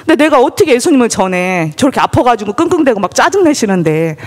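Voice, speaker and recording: A woman telling her personal testimony at a church service, animated storytelling that acts out the voices she quotes. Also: fairly high pitch, fast talker. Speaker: church member giving testimony. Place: church sanctuary. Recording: church hall reverb.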